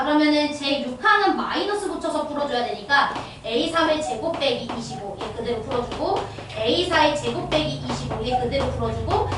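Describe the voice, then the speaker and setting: A woman math teacher lecturing exam students, often checking if they follow along. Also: high voice. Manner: checks understanding with constant tag questions. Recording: echoey room, distant mic, faint noise.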